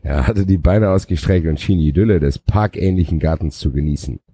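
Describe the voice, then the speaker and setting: A man's voice: rumbling low, fairly quick, dark tone, husky. A man, a podcast co-host who reads a novel aloud, stumbling and adding sarcastic asides. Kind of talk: mock reading of a novel aloud with commentary.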